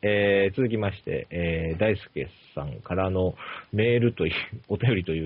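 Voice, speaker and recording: A man with a very deep, low pitch. He talks at a moderate pace with ordinary pitch variation. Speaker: podcast host, film talk. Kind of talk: casual chat. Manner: hesitant.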